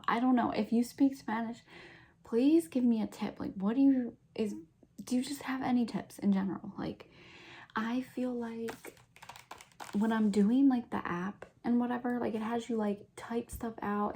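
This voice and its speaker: A young woman in a soft-spoken ASMR chat, rambling casually with lots of fillers and giggles. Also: mid-range voice. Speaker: ASMR creator.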